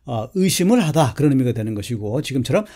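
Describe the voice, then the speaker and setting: Measured man teaching English vocabulary. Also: medium pitch, big pitch swings, warm tone. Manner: measured, repeats a filler before each point, reads English examples slowly. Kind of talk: lecture explaining English news vocabulary.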